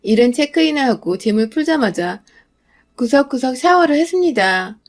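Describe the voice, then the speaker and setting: A young woman narrates a personal story in the first person, her voice sitting a little high. She speaks in a calm, confiding way, like a radio story reading. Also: moderate pace.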